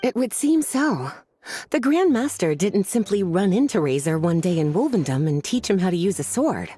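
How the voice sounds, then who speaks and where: A woman voicing a relaxed adult woman mage who teases fondly, in a video game. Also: mid-range voice, normal speed, natural voice. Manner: languid, affectionately teasing. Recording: game audio with faint music.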